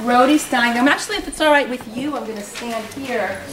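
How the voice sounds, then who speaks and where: Loud-voiced woman in a roomy hall. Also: fairly high pitch, a little fast. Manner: lively, animated storyteller with a loud voice. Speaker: panelist, math circle leader. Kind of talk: workshop panel talk. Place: workshop room. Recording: roomy hall sound from a distant mic, noisy.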